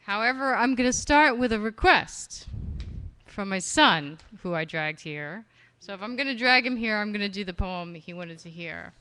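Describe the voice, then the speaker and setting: A woman performing spoken-word poetry live at a reading venue on a stage mic, expressive and slowing down on key phrases. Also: mid-range voice, clean tone. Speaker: poet.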